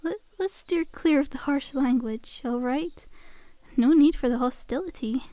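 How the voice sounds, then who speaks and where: A woman's voice: high-pitched, measured pace, warm tone, dry recording. A woman playing a friendly, sly zombie girl in an ASMR roleplay, coaxing a survivor in a chummy, casual, faux-innocent way. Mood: cajoling.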